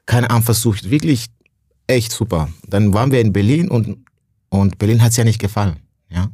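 A low, breathy-edged male voice from Burundi, recorded close and dry with no room around it. He is a young comedian speaking loosely, and he restarts his sentences and tosses in slang as he goes. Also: mellow, no room sound. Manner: slangy, says "bro" often, halting restarts. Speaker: stand-up comedian, podcast guest. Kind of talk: casual emotional conversation.

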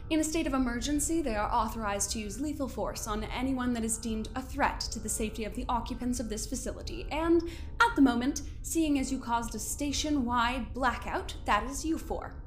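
A woman playing a smug, controlling overseer in an audio drama, delivering measured, condescending threats in a theatrical way. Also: a little high, close to an everyday voice. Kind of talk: scripted audio drama acting.

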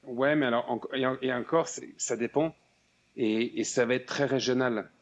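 A man's voice: medium pitch, steady tone, moderate pace. A man with a Swiss French accent from Geneva, a podcast guest chatting casually and hesitantly, with many restarts. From Switzerland. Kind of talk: casual interview chat.

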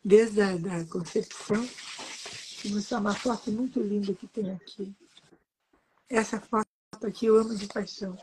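A woman's voice: medium pitch, steady tone, moderate pace, long pauses, background noise. A woman in her eighties, from Brazil, chatting in an interview as a doting grandmother who reads aloud from her books and keeps pointing at the pages. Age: 80s. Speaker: author and guest.

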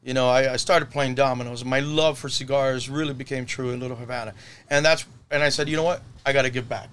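A man's voice: mid-range voice, fairly even intonation, fast talker, fairly bright tone, smooth. A man who is a guest on a podcast and runs a cigar business, chatting casually, repeating himself and swearing offhandedly. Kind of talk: casual chat.

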